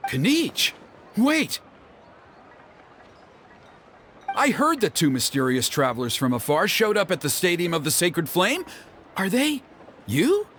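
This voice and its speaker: A man's voice: sits high, sing-song, normal speed, a bit bright, a little hiss or hum. An actor playing a middle-aged tribal elder and protective father in a video game, formal and theatrical, stammering when flustered. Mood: startled. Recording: game music behind the voice. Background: game background music.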